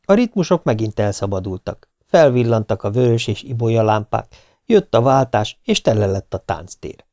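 A male narrator reads a short story in a steady, measured manner. His voice is warm and dark with a gravelly edge, mid-pitched, recorded close and dry with no room sound. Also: no echo. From Hungary. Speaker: audiobook narrator. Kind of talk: scripted narration.

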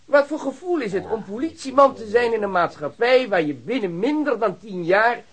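A man's voice: high-pitched, animated, moderate pace, a bit bright. A man acting a blunt, confrontational character in a radio play, with a challenging way of talking. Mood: indignant. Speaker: actor in a radio drama. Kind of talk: naturalistic radio play dialogue.

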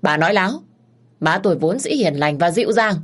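A woman's voice: lowish voice, lively intonation, fairly quick, breathy edge. A woman doing a stern young man demanding answers.

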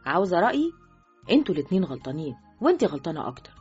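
A woman's voice: high voice, big pitch swings, rapid-fire, mellow, breathy edge, soft background music, voice pushed up, exaggerated voice. A woman voicing a worried, scolding middle-aged mother in Egyptian Arabic for an audiobook. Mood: calm advising. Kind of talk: audiobook character voice. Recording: dull, lo-fi audio.

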